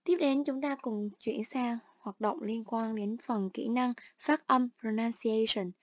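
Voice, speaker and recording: A woman teacher calmly explaining an online English exercise step by step. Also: fairly high pitch, a little slow, no room sound, studio quality. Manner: steady instructional, explains each step. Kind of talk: online lesson narration.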